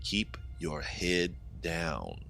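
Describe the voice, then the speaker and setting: A resigned, watchful neighborhood man, played by a male narrator, cautioning in a low-key way. The voice is deep, with music underneath, as in a horror story. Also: very animated, drawn-out words, creaky, bright, forceful tone, heavily acted. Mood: wary warning. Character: wary, resigned neighbor man warning to keep quiet. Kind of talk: acted audio horror story.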